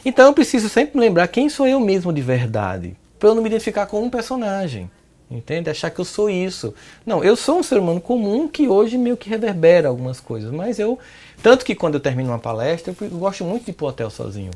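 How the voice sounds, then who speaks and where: A middle-aged man from Paraíba talks through an interview as a psychologist. His delivery is animated, with his pitch leaping upward whenever he stresses a point, and he keeps checking in with short tags like "né?" and "entende?". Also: fast talker. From Paraíba, Northeast Brazil. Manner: animated, pitch jumping up on emphasis, frequent "né?" and "entende?". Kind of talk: reflective interview talk.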